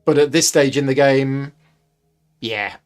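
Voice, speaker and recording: A man's voice: medium pitch, faint music behind. A man running the turns of an online board game and chatting casually. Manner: brisk, runs the turns. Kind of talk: casual chat while gaming.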